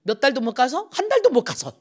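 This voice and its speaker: A man's voice: fast talker, slightly rough. A middle-aged male pastor preaching a sermon, often asking the congregation questions and acting out quoted voices. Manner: lively, asks the congregation questions and answers them; acts out quoted voices with rising pitch and force.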